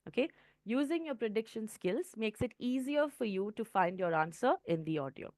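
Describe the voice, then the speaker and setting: Woman trainer, clear teaching tone. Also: fairly high pitch, lively intonation, normal speed, darkish tone, no room sound, clean studio sound. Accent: Indian English. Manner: clear teaching tone, frequent "okay" checks. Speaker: IELTS trainer. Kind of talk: online test-prep lesson.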